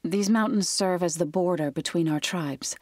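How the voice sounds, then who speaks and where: An actress voicing an earnest young tribal woman warrior in a video game, grave and devout, with measured, careful phrasing. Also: on the low side, darkish tone, no room sound, clean studio sound, natural voice. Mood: solemn. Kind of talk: video game character voice acting.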